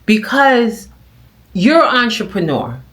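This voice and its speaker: Animated woman vlogger talking to camera. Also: on the high side, slow. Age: middle-aged. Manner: animated storytelling with acted quotes. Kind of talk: casual reaction commentary.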